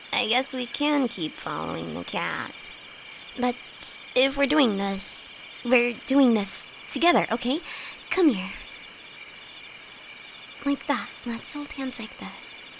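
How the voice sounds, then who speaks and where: Casting: woman to play nervous young female alchemist, fantasy roleplay. Higher-leaning voice, hesitant, affectionate, easily spooked; loud cricket-filled night ambience behind. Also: lively intonation, slow, gravelly, long pauses, background noise, full character voice. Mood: hesitant, tender. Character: timid, easily frightened young female apprentice alchemist, affectionate best friend. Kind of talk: fantasy roleplay audio drama, intimate one-sided dialogue. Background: crickets and forest ambience.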